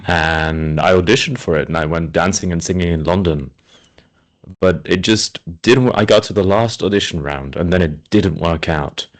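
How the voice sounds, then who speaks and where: A man from Switzerland speaking conversationally as a guest in an interview. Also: low-pitched.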